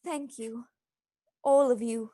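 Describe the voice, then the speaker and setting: A woman's voice: fairly high pitch, fairly even intonation, slow, warm tone. A woman playing an anguished, tender young wife under a vampire's curse in a live radio play. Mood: anxious.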